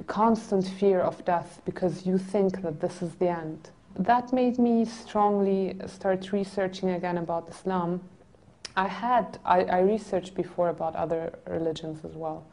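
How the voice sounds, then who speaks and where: A woman in her twenties from a Greek family in Germany, calmly recounting her own story in a seated studio interview. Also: lowish voice. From Greek family, born in Germany. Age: 20s. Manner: reflective, soft, with frequent restarts. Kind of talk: personal testimony interview. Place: indoor studio set with red curtains.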